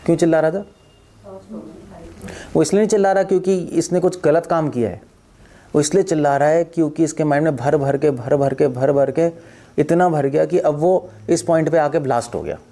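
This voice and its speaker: Man, spiritual discourse, mellow tone, animated storytelling, repeats phrases for emphasis. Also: fairly high pitch, fairly quick. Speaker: monk and former doctor giving a talk.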